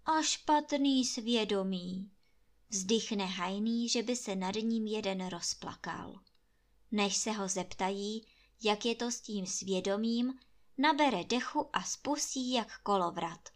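A woman reading a fairy tale aloud, narrating in a lively, expressive way. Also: mid-range voice. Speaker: storyteller.

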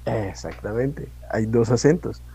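A man with a Bogotá Colombian accent, a podcast guest chatting in a relaxed, agreeable way. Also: medium pitch, measured pace, husky, rough recording. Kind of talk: casual chat.

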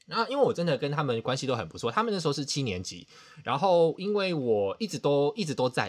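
Animated fast-talking man. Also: mid-range voice. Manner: animated, self-mocking, dramatic outbursts. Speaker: podcast host. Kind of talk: casual storytelling chat.

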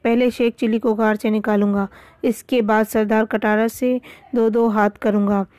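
A woman's voice: fairly high pitch, little pitch movement, a little mellow, no echo, close to an everyday voice. A woman voicing a bold, decisive male jungle hero in a read-aloud storybook. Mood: stern. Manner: decisive, stern.

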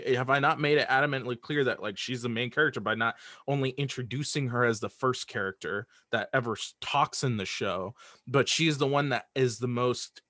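Man, medium pitch, dry close sound, casual interview talk, animated, stammering restarts. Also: dry recording. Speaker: audio drama creator and writer, interview guest.

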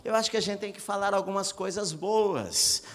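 Guy preaching in church, earnest, says things twice, lots of uh's, slightly high voice with a long echo. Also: moderate pace. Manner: earnest, repeats key phrases, many fillers. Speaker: pastor. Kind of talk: sermon on marriage.

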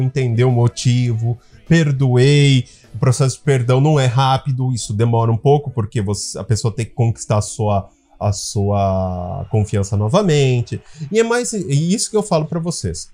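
A man with a mellow, warm voice talks straight to his listeners like a coach on his own podcast. He slows right down on the words that matter and tags "tá?" onto his points. Soft guitar music plays faintly behind him. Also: mid-range voice. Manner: earnest, coaching tone, slows down to stress key words, often adds "tá?" to check in. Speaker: podcast host. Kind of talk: advice podcast monologue.

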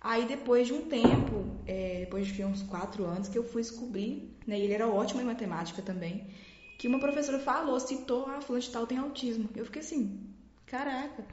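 A woman's voice: a little high, a little fast, background noise. A young woman with a Brazilian Portuguese accent, co-hosting a podcast and chatting through a personal anecdote. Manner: chatty, telling anecdotes with fillers. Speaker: podcast co-host. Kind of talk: casual podcast chat. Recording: dull, roomy lo-fi recording.

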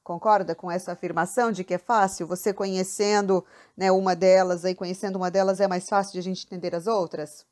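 A woman's voice: fairly low pitch, little pitch movement, a little fast, hardly any pauses, darkish tone. A woman hosting a language podcast, talking casually and speaking straight to the listener. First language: Portuguese. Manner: chatty, addresses the listener directly. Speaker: podcast host.

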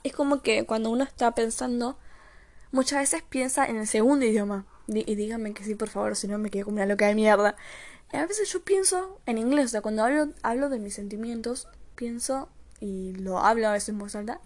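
A young woman with a Rioplatense Spanish accent talks to her viewers in a loose, reflective monologue. Her voice sits a little on the high side, and she thinks aloud as she goes, wandering into fillers and side remarks. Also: brisk, darkish tone. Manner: rambling, thinking aloud with frequent fillers and asides. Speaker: vlogger.

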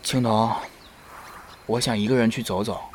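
A man's voice: fairly low pitch, steady tone, normal speed, background noise, natural voice. A man playing a stubborn, sensitive young male white fox spirit in an ancient-China audio drama. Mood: subdued, downcast.

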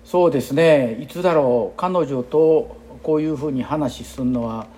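An exercise instructor in his sixties, with a Kansai Japanese accent, drifts through a rambling, reflective and chatty casual monologue. His mid-range voice is mellow and keeps a normal speed.

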